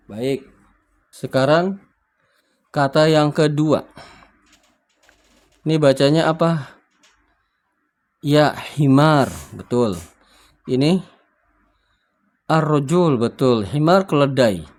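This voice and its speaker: A man gives an unhurried recorded lesson, moving through the material one word at a time. He spells, translates and quizzes his unseen viewers patiently, with plenty of pauses. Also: on the high side, darkish tone. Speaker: Arabic teacher.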